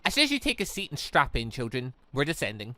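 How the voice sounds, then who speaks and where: A man's voice: medium pitch, wildly swooping pitch, fast, bright, forceful tone, dry recording, voice pushed down. Man voicing a stern, curt huntress instructor. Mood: brisk, instructing. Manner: formal, curt. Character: stern, clipped adult woman, academy huntress instructor.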